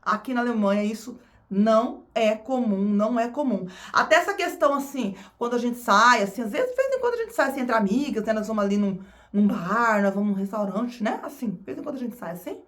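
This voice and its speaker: A woman's voice: on the high side, animated, a little fast. A woman from Brazil with a Brazilian Portuguese accent, chatting casually to her viewers as a vlogger, often repeating her phrases. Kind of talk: casual chat to camera.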